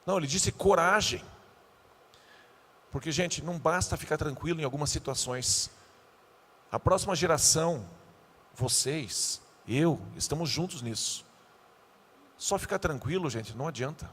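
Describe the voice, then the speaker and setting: A male pastor giving a youth sermon, animated and joking, acting out the scenes he tells. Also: a little high, normal speed, husky, long reverb tail.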